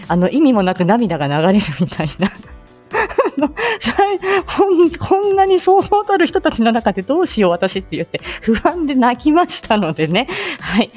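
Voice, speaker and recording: A woman in her forties hosting a casual live stream, chatty and humble, laughing often and filling pauses as she greets listeners. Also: mid-range voice, darkish tone.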